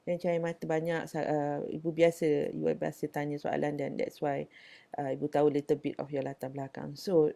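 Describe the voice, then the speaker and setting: A middle-aged Malaysian woman hosting a casual parenting talk, giving gentle advice in Malay mixed with English and answering viewers' questions. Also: low-pitched, little pitch movement, normal speed, creaky.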